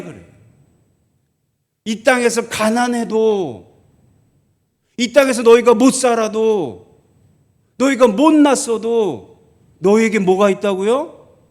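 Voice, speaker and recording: A male pastor preaching a sermon, asking rhetorical questions and answering them himself, repeating lines for emphasis, at times dropping to a soft plea. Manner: drops to a soft, low voice for pleading.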